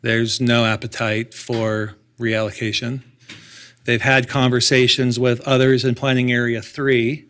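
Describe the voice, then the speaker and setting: A man's voice: mid-range voice, little pitch movement, a little slow, fairly bright tone. A man giving explanatory testimony at a public meeting, laying out the reasoning step by step.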